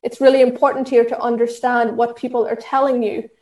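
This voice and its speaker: Irish woman running a training session, earnest, kinda high voice, echoey room. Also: flat delivery, fairly quick, darkish tone. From Ireland. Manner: earnest, instructive, with many fillers and restarts. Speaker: diversity and inclusion trainer. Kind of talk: talk at an online session.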